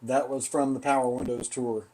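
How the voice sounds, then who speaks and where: A man's voice: medium pitch, flat delivery, normal speed, mellow. A middle-aged man co-hosting a podcast in casual chat, rambling, swearing casually and hedging what he says. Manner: rambling, swears casually, hedges his claims. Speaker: podcast co-host.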